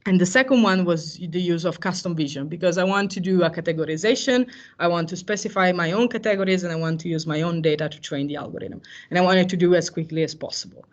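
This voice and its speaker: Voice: medium pitch, quick pace, muffled recording. Hesitant tech presenter. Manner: hesitant, frequent fillers and self-corrections. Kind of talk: technical talk on cloud AI services.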